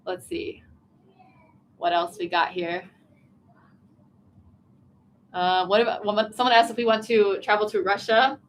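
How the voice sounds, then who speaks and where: A woman's voice: mid-range voice, steady tone, moderate pace, a little hiss or hum. A young woman from Virginia hosting a casual livestream from a small tea room, chatty and giggly as she reads viewer comments aloud. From Virginia, USA.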